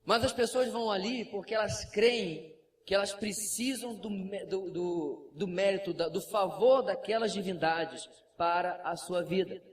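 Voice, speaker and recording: A Brazilian man with a Brazilian Portuguese accent preaching a lively sermon in a church, with asides and acted quotes. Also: high-pitched, a little slow. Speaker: pastor. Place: church sanctuary. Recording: distant mic, faint room noise.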